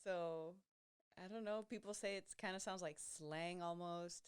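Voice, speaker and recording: Young Latina woman from SoCal, low smooth voice, laid-back podcast guest. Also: steady tone, measured pace. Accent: Southern California Latina. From Southern California. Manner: laid-back, laughs often, slangy. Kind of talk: casual podcast chat.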